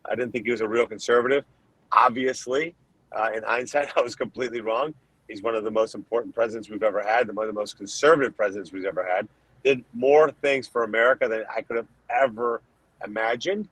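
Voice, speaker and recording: A man from Colombia, a political candidate answering interview questions in emphatic, rapid-fire lists of points. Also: medium pitch, a bit bright, slightly rough, no room sound, rough recording. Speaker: Senate candidate, guest.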